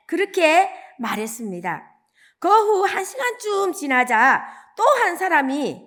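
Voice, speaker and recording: Woman evangelist from Gyeongsang, high-pitched, lively storytelling preacher. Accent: Gyeongsang Korean. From Gyeongsang region, South Korea. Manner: animated storytelling, acting out quoted lines. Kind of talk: dawn service sermon.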